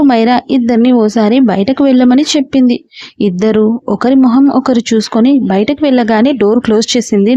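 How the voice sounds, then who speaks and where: A woman storyteller giving a steady scripted story narration. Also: fairly high pitch, muffled recording.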